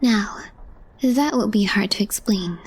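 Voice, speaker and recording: A woman playing a calm, deadpan young female coworker with a hidden crush in a soft, breathy ASMR role play, gently teasing the listener. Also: medium pitch, a little slow. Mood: calm resignation. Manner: cool, matter-of-fact, gently teasing.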